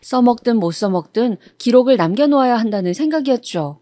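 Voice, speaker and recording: A woman reading a first-person true-life story in a steady, even storytelling manner, recorded on a close studio mic. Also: fairly high pitch, a little fast, no room sound.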